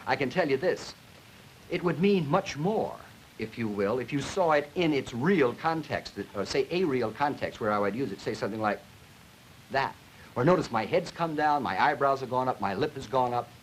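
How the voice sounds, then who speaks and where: A man giving an explanatory educational lecture in an emphatic, deliberate, didactic way, as a linguistics lecturer. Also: mid-range voice. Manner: emphatic, deliberate, didactic, stressing key words. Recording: noisy 1950s educational film soundtrack.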